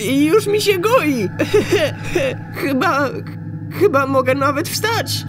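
A man voicing an injured young boy in a cartoon fan dub, wailing and stammering in a shrill, strained voice. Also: expressive, slow, background noise, full character voice. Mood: pleading. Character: injured panicking young boy, whimpering in pain.

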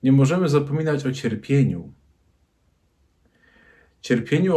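Man, 40s, priest; unhurried, reflective homily to camera in a small room. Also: fairly low pitch. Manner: slow, reflective, with soft hand gestures. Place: small room with a crucifix and bookshelves, indoors. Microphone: camera at close range.

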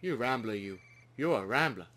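A man's voice: mid-range voice, lively intonation, moderate pace, bright, forceful tone. Young man's jokey gameplay commentary. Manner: jokey, muttered asides. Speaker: let's play host. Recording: game audio and music behind. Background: game music and dialogue.

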